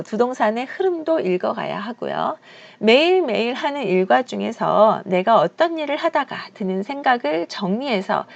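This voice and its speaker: A woman's voice: fairly high pitch, creaky, dull audio. A woman in her fifties talking earnestly and reflectively to her viewers in a personal vlog. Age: 50s. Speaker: real estate auction instructor and YouTuber.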